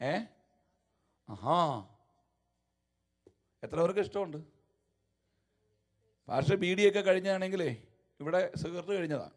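High-voiced preacher swinging loud to soft. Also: male voice, lively intonation, slow, long pauses. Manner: swings between loud emphatic shouts and low wry asides; humorous, mocking storyteller. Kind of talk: sermon.

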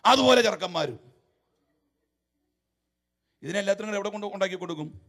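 Man, preacher, sermon, very high voice, loud emphatic bursts, low wry asides, mocking humor. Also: lively intonation, brisk.

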